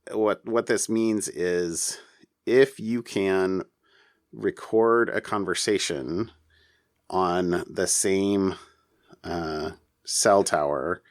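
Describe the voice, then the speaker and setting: A man co-hosting a casual tech news discussion, talking in a halting way as he thinks aloud. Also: low voice, dry recording, studio quality. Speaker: podcast co-host.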